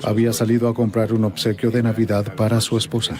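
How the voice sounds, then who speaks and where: A man narrating a true-crime documentary in a measured, even storytelling manner. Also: fairly low pitch.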